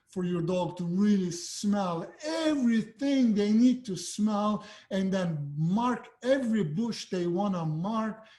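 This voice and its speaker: High-voiced man giving dog-training tips. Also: a little mellow. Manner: friendly, direct, loose and conversational. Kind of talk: casual tips video.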